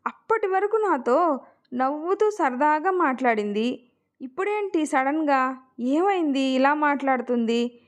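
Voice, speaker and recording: A lovesick young man pleads slowly and sounds wounded, as a woman narrator voices him. The voice stays high and bright, close to her own. It is a storybook hero in a family romance. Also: animated. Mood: puzzled.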